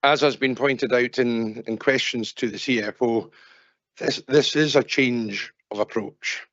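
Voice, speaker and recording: A man's voice: mid-range voice, unhurried, a bit bright, no room sound, dull audio. A male councillor who is losing his voice, giving a formal speech at a council meeting. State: losing his voice, throat-clearing. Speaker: elected councillor seconding a motion.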